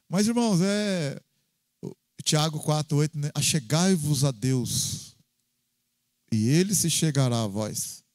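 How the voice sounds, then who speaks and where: A man with a Brazilian Portuguese accent preaching an informal sermon in a church, telling personal stories with lively frequent tag questions. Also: fairly high pitch, dry recording. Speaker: pastor.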